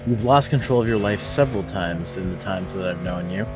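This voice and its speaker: A man in his early thirties chatting on a stream and teasing his friends with quick jabs. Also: deep voice, music in the background. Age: 30s. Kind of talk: casual teasing chat.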